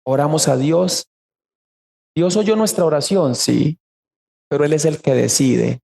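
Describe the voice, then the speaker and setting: A man's voice: on the high side, unhurried, creaky, warm tone. A man with a Costa Rican Spanish accent, a pastor telling a personal story in an earnest sermon. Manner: earnest storytelling, quoting people in raised voice.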